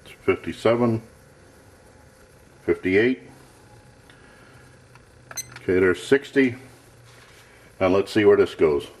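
A man's voice: deep voice, takes it slowly, long pauses, a little mellow, slight background noise. A man casually narrating a camping stove test off camera in a cluttered home workshop, thinking aloud in a plain, matter-of-fact way. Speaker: gear tester.

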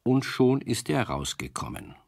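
A man's voice: mid-range voice, very animated, unhurried, vocal fry, darkish tone, no echo, studio quality, heavily acted. A man acting as the storyteller of a children's radio play, narrating a scripted tale. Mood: storytelling.

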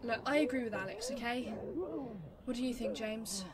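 An outspoken young female student played by a woman in an audio drama. Her high voice is firm and scolding, against clear background noise. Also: moderate pace, close to an everyday voice. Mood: exasperated. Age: young adult. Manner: insistent, scolding. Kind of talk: amateur audio drama acting. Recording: noisy background ambience.

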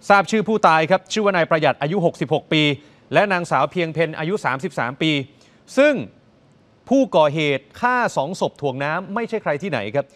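A man presents the news with a high, ringing voice. He puts heavy stress on his words and keeps turning to the audience as he reports. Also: a bit bright. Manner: emphatic, addresses viewers directly.

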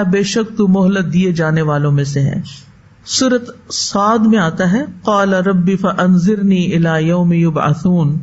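A woman giving a religious lecture as a teacher, lively and full of rhetorical questions, slowing into chanted recitation of verses. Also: medium pitch. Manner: animated, asks rhetorical questions and answers them. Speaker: Quran teacher. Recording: dull lo-fi recording.

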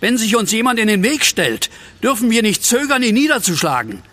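A man's voice: high-pitched, very animated, brisk, bright, forceful tone, no echo, exaggerated voice. An actor playing a bewildered, horrified man on the run in a horror audio drama, dramatic and full of disbelief. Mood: rallying. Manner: incredulous, dramatic, questioning.

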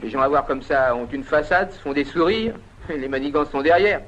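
A gossipy old grandpa. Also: male voice, a little high, moderate pace, a bit bright. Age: older. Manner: chatty, sly gossiping tone. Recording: dull old film soundtrack.

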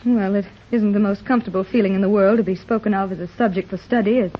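A woman's voice: medium pitch, steady tone, quick pace, slight background noise, lightly acted. An actress playing an earnest, polite wealthy mother searching for her lost daughter, in a 1930s radio drama. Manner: earnest and polite, easily startled. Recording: dull old 1930s radio recording.

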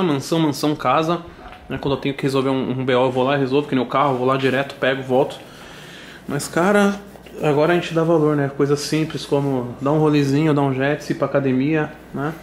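A slangy young man with a higher-pitched voice vlogs casually and upbeat, talking to a handheld camera held at arm's length, moving between indoors at a house and the street. He sounds stuffy with a cold, and there's slight hiss or hum.

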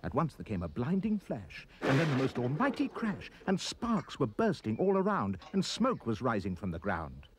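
A man reading a rhyming children's poem aloud as an expressive storyteller. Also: normal speed, hardly any pauses, noisy background. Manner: expressive storyteller, swooping pitch. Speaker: reader.

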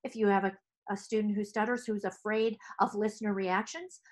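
Animated woman with headset mic. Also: mid-range voice, a little fast. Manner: animated, gesturing with both hands. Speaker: speech-language pathologist. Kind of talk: presenting to clinicians. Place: home office.

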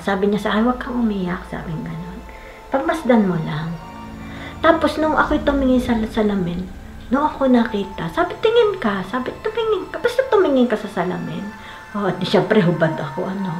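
Filipina woman vlogger telling a personal story. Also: medium pitch. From Philippines. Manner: animated, laughing, quoting her husband. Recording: echoey room with faint noise.

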